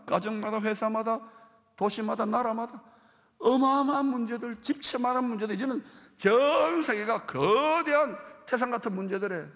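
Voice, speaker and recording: A male pastor with a Gyeongsang accent preaching a sermon, swinging from hushed lines to loud ones. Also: high voice, long reverb tail. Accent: Gyeongsang Korean. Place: church sanctuary.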